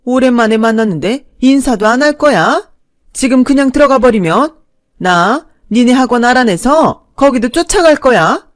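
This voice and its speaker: Casual: woman putting on a pushy older stepmom-in-law, higher and louder than normal, scolding and whining, dry close sound. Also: unhurried, no room sound, lightly acted. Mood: threatening. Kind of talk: storytelling with acted dialogue.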